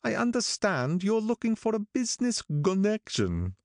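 High, strange-toned old gangster, slow and brooding, self-important, audiobook. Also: male voice, huge pitch swings, a little mellow, dry recording, studio quality, heavily acted. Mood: self-satisfied. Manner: slow, brooding, drawn-out delivery. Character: older male gangster, gloomy, sentimental, self-important.

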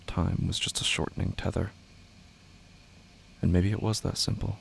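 A man narrates a horror story in a very low, creaky voice. His delivery is measured and somber, with little rise or fall. There is clear noise behind him. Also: level tone. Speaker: narrator of a horror audio drama. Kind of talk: scripted dramatic narration.

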